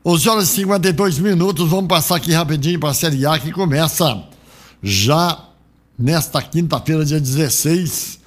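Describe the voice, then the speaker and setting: A man's voice: on the high side, moderate pace. A middle-aged man from Brazil hosting a local radio show, chatting loosely about football with frequent rambling asides. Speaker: radio host. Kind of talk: casual radio sports chat. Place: radio studio.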